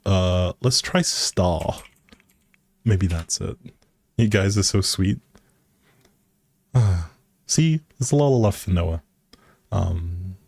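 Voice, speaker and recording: Easygoing guy streaming a game, low voice, slow chatty thinking out loud, dry sound. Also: gravelly, no room sound. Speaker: game livestream host. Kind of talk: casual livestream commentary while playing a life simulation game.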